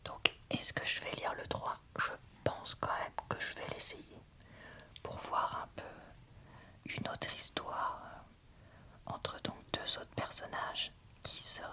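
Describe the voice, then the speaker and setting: Woman, whispered ASMR review, breathy unvoiced delivery, crisp bright edge, informal and hesitant. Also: a little slow. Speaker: book reviewer, ASMR host.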